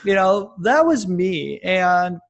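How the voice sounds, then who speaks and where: An American man in his forties talks as a guest, with a slightly high voice that has a gravelly fry running through it. He rambles and restarts his sentences often, telling stories in an animated way. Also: takes it slowly. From United States. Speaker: guest, fitness coach. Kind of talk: casual interview chat. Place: lives in Japan.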